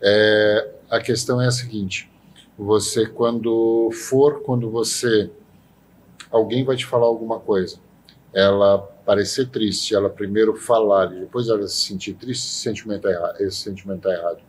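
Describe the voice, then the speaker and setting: A man's voice: fairly low pitch, steady tone, normal speed, a little hiss or hum. A man on a podcast panel who explains ideas with restarts and rhetorical questions. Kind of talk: casual podcast discussion.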